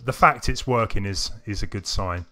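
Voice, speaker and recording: A man live-streams a video game, talking casually and somewhat ramblingly to his viewers while music plays behind him. His voice is on the low side with a sharp tone, at a moderate pace.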